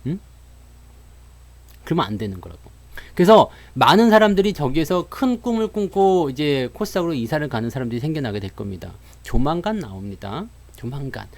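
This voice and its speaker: Lively joking Korean man. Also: a little high, brisk. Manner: animated, acts out joking quotes and analogies; laughs often mid-sentence. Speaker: stock market commentator. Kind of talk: casual market talk.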